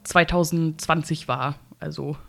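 Low-voiced woman with a cold. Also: steady tone, unhurried, gravelly. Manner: chatty, laughing, loose phrasing. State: slightly congested from a cold. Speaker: podcast host. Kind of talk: casual podcast chat.

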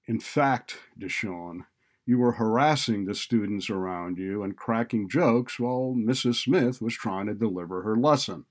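Man acting a blunt, cynical college boss, low-voiced. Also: a little slow. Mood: stern, threatening. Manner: blunt, sardonic, browbeating. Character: cynical, bullying male college administrator, brusque and threatening.

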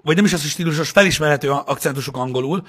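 A young man in casual chat, ranting, swearing and now and then shouting as he co-hosts. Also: fairly high pitch, slightly rough.

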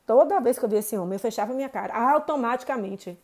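A woman, telling a personal story to viewers in an indignant, animated way. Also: a little high, fast. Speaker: vlogger.

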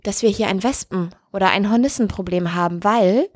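A woman's voice: mid-range voice, fairly quick, darkish tone, no room sound, clean studio sound. A woman co-hosting a casual chat podcast from a room at home, talking anxiously with frequent panicked exclamations. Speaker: podcast co-host.

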